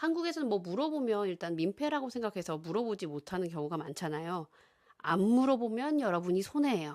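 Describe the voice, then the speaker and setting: Pitch swings very widely as the speech runs at a fairly quick pace. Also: woman, medium pitch for a woman. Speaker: psychological counselor and YouTuber. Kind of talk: casual vlog monologue. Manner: speeding up, fast.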